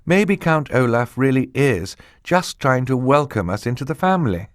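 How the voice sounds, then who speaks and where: A man's voice: medium pitch, expressive, normal speed, dry recording, studio quality, voice pushed up, close to an everyday voice. A man voicing a clever, worried teenage girl in an audiobook, speaking earnestly and uncertainly. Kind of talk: audiobook character voice.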